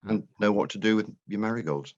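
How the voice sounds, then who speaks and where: A man's voice: fairly low pitch, a little fast. A man, an actor, chatting casually and jokily over dull call audio. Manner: jokey. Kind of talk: casual chat. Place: video call.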